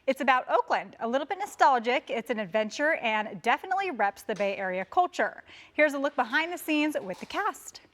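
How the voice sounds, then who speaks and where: A woman presents as the host of a show. Her voice sits a little high, and her delivery is upbeat and conversational. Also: big pitch swings, a little fast, fairly bright tone.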